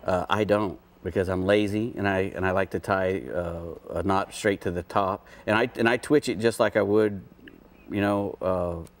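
A middle-aged man with a fairly low voice chats through a product showcase on a fishing show. He is folksy and unscripted, often halting and repeating himself as he goes. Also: steady tone. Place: indoor TV studio set.

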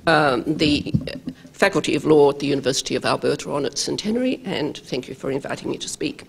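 An older Australian woman, a law professor with a croaky voice from travel, giving a halting conference lecture at a lectern microphone in a large hall. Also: low voice. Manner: halting, many ums and uhs, measured.

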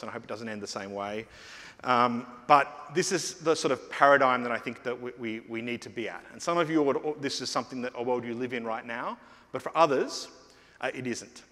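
Middle-aged man, keynote speaker, loose conversational delivery, mid-pitched, long hall reverb. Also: quick pace, bright, forceful tone. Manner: conversational, many fillers and restarts. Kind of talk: conference keynote talk. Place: large conference hall stage.

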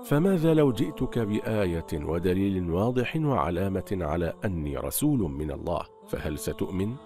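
A man voicing a calm, confident prophet in a retold religious story, speaking in a steady, assured way. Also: deep voice, moderate pace.

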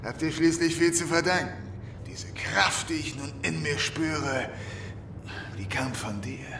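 Actor as menacing thug, man, gravelly fry, highish swooping pitch, sneering, radio play, echoey distant noisy recording. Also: unhurried. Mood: mocking, sinister. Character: menacing, bloodthirsty, mocking male gang thug. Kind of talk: German audio drama acting. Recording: distant roomy echo, clear rumbling noise.

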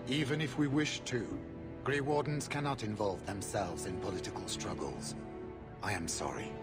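An actor as a solemn, formal warrior knight over music. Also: male voice, lowish voice, moderate pace, close to an everyday voice. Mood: grave, courteous. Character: grave, courteous Grey Warden knight, resolute and formal. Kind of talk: scripted fantasy game dialogue.

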